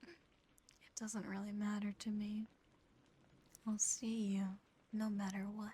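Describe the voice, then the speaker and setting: Slow, whispering affectionate demon woman, acted by a woman. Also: mid-range voice, flat delivery. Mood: teasing, possessive. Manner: slow, soothing, intimate, softly teasing. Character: affectionate, possessive female sleep paralysis demon. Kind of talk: whispered ASMR roleplay. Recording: close whisper over clear background noise.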